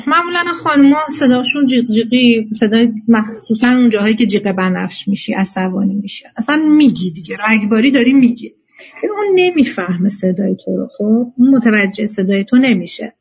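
A woman's voice: on the high side, breathy edge, dull audio. A woman giving a lecture on marriage as an instructor, speaking directly to her listeners with advice. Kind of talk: lecture to a class.

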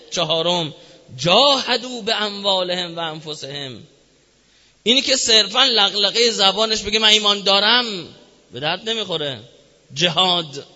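A high, very bright male voice delivers a sermon with a slow, deliberate cadence, answering his own rhetorical questions. The hall's long reverb trails behind him. The recording sounds dull and lo-fi. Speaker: religious preacher. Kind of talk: sermon explaining scripture. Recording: echoey hall, dull lo-fi sound.

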